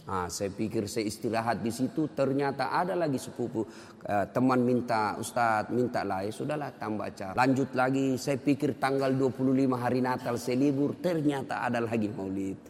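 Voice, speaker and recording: A man preaching to a congregation as an Islamic preacher, telling funny stories in a lively, animated way. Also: medium pitch, fairly quick. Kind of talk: sermon with comic storytelling. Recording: long hall reverb.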